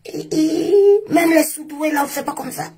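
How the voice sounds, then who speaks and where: A woman giving mocking, scolding commentary in a fast stream of talk. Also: high-pitched, dark tone. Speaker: online commentator.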